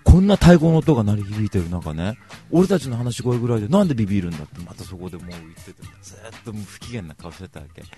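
A man hosting a radio show, telling a comic story in rough, blunt casual speech and retelling it with big exaggeration. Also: lowish voice, big pitch swings, rapid-fire, hardly any pauses, dark tone, soft background music.

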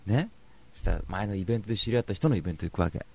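A man hosting a casual monologue, telling stories in a chatty, animated way and slipping into voices. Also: fairly low pitch, very fast, gravelly, husky, no room sound. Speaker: podcast host.

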